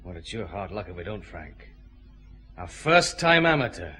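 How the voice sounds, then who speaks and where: An actor playing a firm, methodical police chief inspector, questioning a suspect in a vintage radio drama. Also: male voice, low-pitched, big pitch swings, pushed and bright, slight background noise, exaggerated voice. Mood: stern. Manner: brisk, methodical, dry authority.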